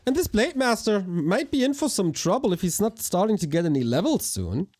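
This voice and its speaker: A man with a hoarse voice, casting a live strategy game match in an energetic, chatty way while thanking viewers. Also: high voice, fairly quick. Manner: energetic, chatty, talks to chat. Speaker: esports caster. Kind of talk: live game commentary with chat shout-outs.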